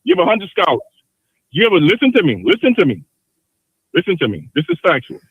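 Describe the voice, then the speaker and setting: A man's voice: high voice, huge pitch swings, fast, husky, no room sound, phone-quality sound. A man in his fifties calling into a live show, arguing insistently and repeating the same points again and again. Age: 50s. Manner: insistent, repeats himself over and over. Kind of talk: heated call-in debate.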